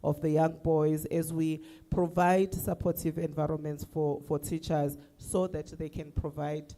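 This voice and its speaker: A woman presenting on a conference panel, with a mellow, rather flat voice. She speaks hesitantly, restarting words and filling pauses as she works through her points. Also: sits low. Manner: hesitant, many restarts and fillers.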